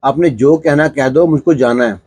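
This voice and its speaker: A man's voice: fairly high pitch, darkish tone, husky. A man voicing a shy, nervous young village man who answers curtly in a told story. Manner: nervous, curt.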